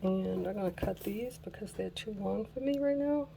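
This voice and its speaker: A woman hosting a casual craft tutorial who is losing her voice, chatting slowly while she works and laughing at her own mishaps. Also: medium pitch, creaky, mellow, slight background noise. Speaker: craft channel host.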